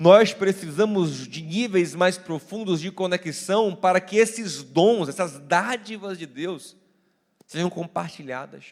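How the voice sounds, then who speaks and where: Very slowly, a man speaks in a high pitch with big swings in loudness. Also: ordinary pitch variation. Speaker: pastor. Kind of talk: sermon.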